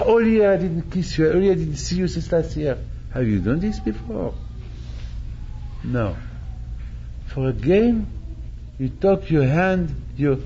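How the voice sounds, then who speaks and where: An older rabbi preaches slowly in a dark, mellow voice, often repeating himself and acting out little dialogues. The sound is a bit dull, with a faint hum behind it. He speaks into a stand mic in a synagogue hall. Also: fairly high pitch. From Morocco. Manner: animated, gesturing, repeats phrases and acts out quotes. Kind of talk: sermon. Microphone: stand mic at chest.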